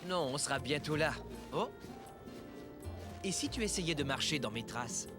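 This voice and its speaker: A man's voice: a little high, animated, normal speed, music in the background, lightly acted. A man playing a supportive, patient young father in a children's cartoon. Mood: encouraging. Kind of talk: French-language children's cartoon dialogue.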